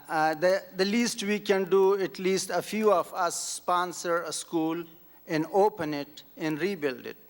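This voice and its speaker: Slow-speaking Afghan-accented man in a hall. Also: fairly high pitch, fairly bright tone, clear, resonant tone. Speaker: nonprofit founder speaking at an event. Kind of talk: public speech, factual account. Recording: long hall reverberation.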